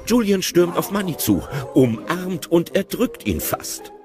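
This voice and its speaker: Man narrating a kids audio play, slow and very sing-songy, music under. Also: sits high, big pitch swings. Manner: chatty, wondering.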